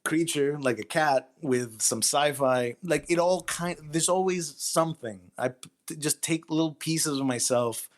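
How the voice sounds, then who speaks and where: A man's voice: fairly high pitch, a little slow. A man from Greece, a guest writer, talking casually in an interview in a hesitant, self-deprecating way. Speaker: guest writer of audio horror stories.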